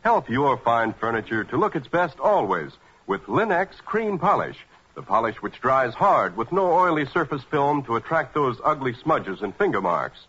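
A man's voice: medium pitch, big pitch swings, normal speed, hardly any pauses, fairly bright tone, breathy edge. An American man announcing in 1940s radio commercial style, with polished, emphatic salesmanship. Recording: muffled, dull vintage 1940s radio recording.

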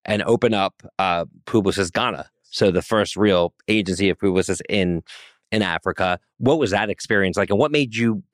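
Male podcast interviewer; very low voice, dry booth sound, long setup questions, short nods. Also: normal speed, no echo. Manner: brief affirmations, long recapping questions. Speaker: podcast host.

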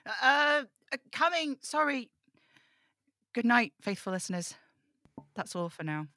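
A woman's voice: fairly high pitch, sing-song, measured pace, pushed and bright, no room sound, full character voice. A woman playing a burdened, defiant young male broadcaster in an audio drama table read, snappish and sarcastic. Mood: anxious, resolute.

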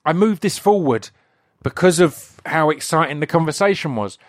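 This podcast host opens with a casual, rambling, chatty intro, full of asides and restarts as he keeps interrupting himself. His voice sits on the high side with lively intonation and a normal speed. The studio-quality recording has no room sound.

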